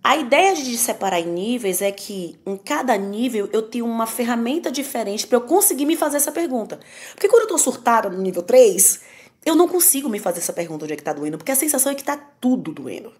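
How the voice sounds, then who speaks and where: A woman's voice: fairly high pitch, big pitch swings, fast, a little mellow. A woman with a Brazilian Portuguese accent, a psychoanalyst guest talking candidly and emphatically on a podcast. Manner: candid, emphatic, self-mocking. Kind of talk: conversational podcast talk.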